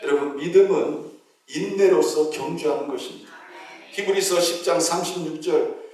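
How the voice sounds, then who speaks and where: A middle-aged male pastor preaching a sermon, telling a story and acting out the shouts and prayers of its characters. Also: a little high, normal speed, slight background noise. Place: church sanctuary. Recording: echoey church hall from a distance.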